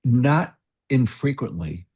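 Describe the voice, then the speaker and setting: A man with a deep voice speaking at a public meeting, measured and hesitant as he starts. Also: lively intonation, dark tone, husky. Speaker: commission member.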